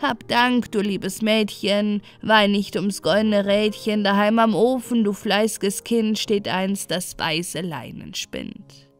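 A woman's voice: medium pitch, expressive, slow, faint music behind. A woman voicing a tiny enchanted male pond dwarf in an earnest, sing-song storybook manner.

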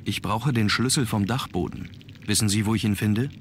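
An actor playing a composed, courteous young aristocrat in an adventure game, measured and formal. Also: male voice, fairly low pitch, a little hiss or hum, natural voice. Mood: composed, polite. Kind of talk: scripted adventure game dialogue.

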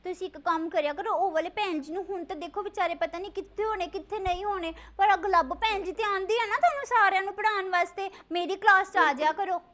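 A woman playing a dramatic, loud, bossy schoolteacher aunty, exclaiming in comic TV phone-in chat. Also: very high voice, fast talker, few pauses. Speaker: host of comedy phone-in show. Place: TV studio.

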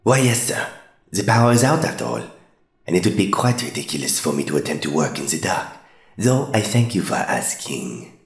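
An actor playing an eerie, unctuous doctor in an audio drama, formal and over-polite. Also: male voice, low voice, sing-song, moderate pace, creaky, heavily acted. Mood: primly polite. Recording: roomy echo.

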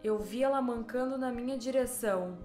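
Scared, high-pitched Brazilian woman streamer. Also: normal speed, a little mellow, reverberant, faint music behind. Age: young adult. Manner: scared, exclaiming, repeating herself in panic. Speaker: video game streamer. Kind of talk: horror game commentary. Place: small home room, indoors.

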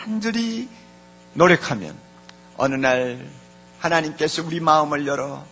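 Male pastor preaching, high-pitched voice with a sharp edge, fervent and repetitive with his congregation. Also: husky. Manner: fervent, repeats key words, addresses the congregation directly. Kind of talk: sermon.

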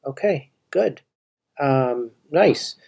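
A man's voice: mid-range voice, animated, very slow, creaky, darkish tone, breathy edge. A man walking through a coding puzzle on screen, thinking aloud with fillers and restarts. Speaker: coding tutor. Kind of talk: screen-recorded coding walkthrough.

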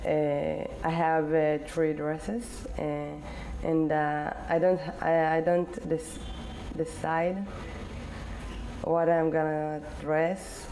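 Young woman from ethiopia, halting english, lots of uhs, low flat voice, slow, mellow, lapel mic indoors. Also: slight background noise, low-quality recording. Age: 20s. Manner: halting non-native English with many fillers. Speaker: interviewee. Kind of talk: interview answers. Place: indoor living room.

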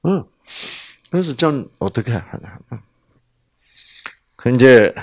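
A man giving a religious lecture to an audience, animated, asking rhetorical questions and acting out the people in his stories. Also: medium pitch, no room sound. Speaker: health lecturer.

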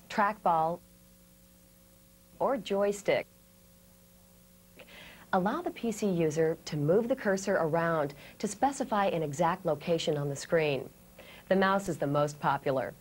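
American woman, 30s, instructional video presenter, lower register, slightly husky, methodical delivery. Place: indoor studio set.

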